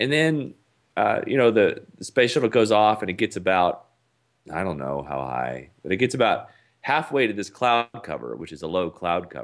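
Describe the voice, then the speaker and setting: This man has a fairly low voice with vocal fry, very wide pitch swings and big swings in loudness, at a moderate pace. The recording is very clean, with a silent background. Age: 40s. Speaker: photographer. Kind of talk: casual interview chat. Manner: animated storytelling with fillers.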